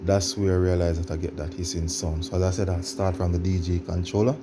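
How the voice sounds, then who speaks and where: A man presenting an informal how-to demonstration, explaining in a halting, repetitive way and addressing viewers directly. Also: low-pitched, flat delivery, background noise. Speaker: tutorial presenter.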